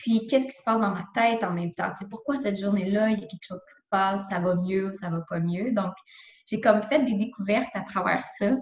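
A woman with a Beauce accent speaks at a fairly quick pace in a medium, somewhat breathy voice. Her pitch varies in an ordinary way while her loudness swings widely. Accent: Québécois French (Beauce). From Quebec, Beauce region. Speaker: professional dancer and movement coach. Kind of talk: interview conversation.

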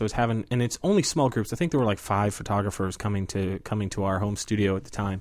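Very fast and animated, a man talks at a fairly low pitch with ordinary pitch variation. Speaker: wedding photographer and podcast co-host. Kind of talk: casual chat. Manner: joking, animated.

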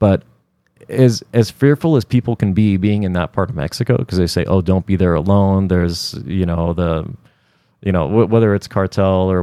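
A very deep, low-pitched man's voice with a dark, mellow tone, ordinary pitch variation and a moderate pace, in a very clean recording with a silent background and a dry, close sound with no echo. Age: 40s. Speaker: pilot and dirt bike rider. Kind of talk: casual chat. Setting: studio.

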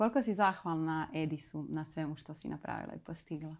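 Speaking at a moderate pace over a quiet background, a woman uses a very deep, low pitch, a warm, animated tone and vocal fry. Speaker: podcast host. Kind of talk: casual interview. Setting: studio with cameras.

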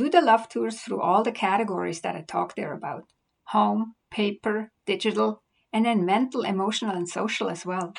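A woman's calm, warm tone with vocal fry, at a medium pitch and moderate pace over a quiet background. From Switzerland. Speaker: podcast host, decluttering coach. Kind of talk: self-help podcast monologue. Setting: home recording.

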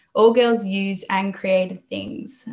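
In an Australian accent, a woman speaks at medium pitch, somewhat breathy, with monotone, flat intonation. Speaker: PhD student, historian. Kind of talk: interview. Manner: casual.

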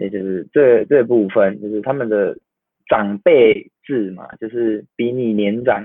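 Speaking at a fairly slow pace, a man uses an unremarkable speaking voice with fairly low pitch and fairly even intonation. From Taiwan. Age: 20s. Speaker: university baseball player. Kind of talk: interview. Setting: online call.

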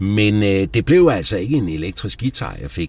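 At a fairly slow pace, a man with a very deep, low pitch and vocal fry makes very wide pitch swings. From Copenhagen area, Denmark. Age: 60s. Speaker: children's entertainer and magician. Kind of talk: interview. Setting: in a car.

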